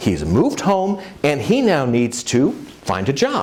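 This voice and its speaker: Noticeable background noise sits behind a man's voice. He speaks in an animated tone with very wide pitch swings. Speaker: motivational keynote speaker. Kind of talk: live keynote speech with storytelling. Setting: conference stage presentation. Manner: animated, engaging storyteller.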